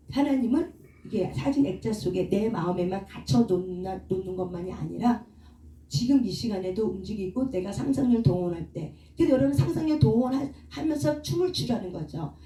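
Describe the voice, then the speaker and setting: A woman's voice: mid-range voice, warm tone. A woman leading a prayer meeting, preaching and asking the congregation questions. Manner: asks the congregation questions, leads call-and-response. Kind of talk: sermon. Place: church prayer room. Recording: echoey room, far from the mic.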